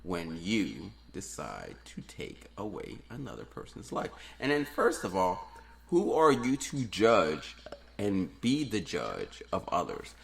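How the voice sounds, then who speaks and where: Man, very low pitch, earnest ranting monologue, hammering points through repetition. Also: wildly swooping pitch, slow, gravelly. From New Orleans. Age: adult, has daughters. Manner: earnest, ranting, repeats phrases for emphasis. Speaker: podcast host. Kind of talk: solo podcast monologue.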